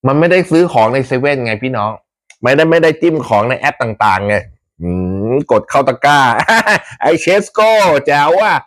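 A man hosting a fan channel, talking casually to viewers about his football club's transfers in a chatty, animated way with rough slang and frequent laughs. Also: medium pitch, normal speed.

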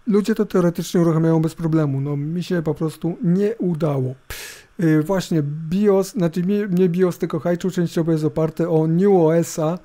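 Sitting indoors at his computer, a middle-aged man hosting a tech review video talks over a screencast in a rambling, hesitant, informal way, adding tag questions. He speaks at normal speed in a slightly high, steady, mellow voice over the hiss of a laptop fan.

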